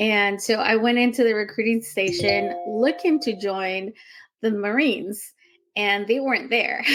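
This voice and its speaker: Very even loudness, a fairly slow pace and ordinary pitch variation over music in the background. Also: woman, fairly high pitch for a woman. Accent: Spanish. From Mexico. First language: Spanish. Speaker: Army combat veteran and advocate. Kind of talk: interview. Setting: podcast.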